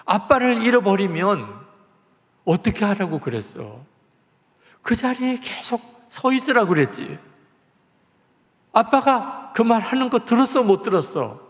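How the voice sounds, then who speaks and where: A frantic father scolds his lost little daughter loudly and in exasperation, his voice pushed high and swinging widely, as a preacher acts him out. It rings through a reverberant church hall. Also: big pitch swings, unhurried, long pauses, full character voice. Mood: scolding.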